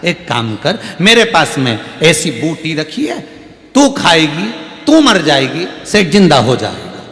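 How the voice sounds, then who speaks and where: A man's voice: on the high side, wildly swooping pitch, slow pace, a bit bright, full character voice. A man doing a blunt old guru. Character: stern old male guru, teasing and blunt. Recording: echoey hall with faint music.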